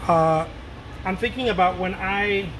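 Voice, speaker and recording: A man in his late thirties talking casually to his viewers as a painter, loose and animated, repeating words and swearing now and then. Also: high voice, a little slow, noisy background. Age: 30s. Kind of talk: casual rambling talk to camera.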